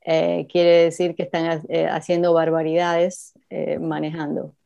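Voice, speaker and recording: A woman's voice: low-pitched, completely flat delivery, unhurried, vocal fry, warm tone. A woman with a mixed Cuban and Argentine Spanish accent, chatting casually as a guest. She hesitates often with fillers and slips in English phrases. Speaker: interview guest. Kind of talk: casual conversation. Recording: dull lo-fi recording.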